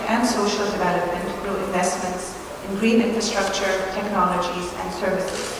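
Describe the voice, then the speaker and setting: A woman speaks with fairly even intonation in a room with strong echo and noticeable background noise. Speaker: keynote speaker. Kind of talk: formal speech. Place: hall. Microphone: podium.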